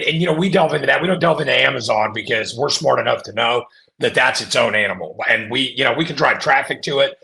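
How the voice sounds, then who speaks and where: A man's voice: mid-range voice, creaky. A man talking as a guest on a podcast, telling stories and acting out the people in them. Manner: animated storyteller, acts out quoted voices. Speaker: podcast guest, marketing company founder. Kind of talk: casual podcast conversation.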